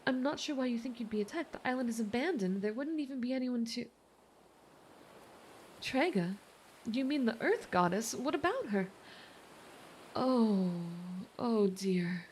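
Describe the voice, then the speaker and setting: Woman playing a caring mermaid, fairly high voice, gentle, earnest, ASMR roleplay, faint ambient noise behind. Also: animated, unhurried, pauses often. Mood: reassuring, puzzled, then taken aback. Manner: soothing, gentle, hesitant, earnest. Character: kind, worried female mermaid rescuing a shipwrecked sailor.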